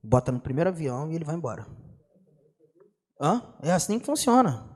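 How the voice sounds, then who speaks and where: A young adult man with a Brazilian Portuguese accent giving an exam-prep law lecture, slangy and animated, constantly asking students rhetorical questions. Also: fairly high pitch, brisk, husky. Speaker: law teacher.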